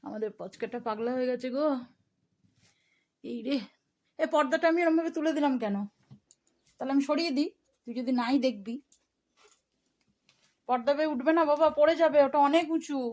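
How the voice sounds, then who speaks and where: A woman's voice: high voice, a little fast, long pauses, a little mellow. A woman filming at home indoors, talking fondly and coaxingly to her cat in a casual vlog, her voice jumping up when she is alarmed. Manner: fond, coaxing, rising sharply when alarmed. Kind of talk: casual home vlog, baby talk to a pet.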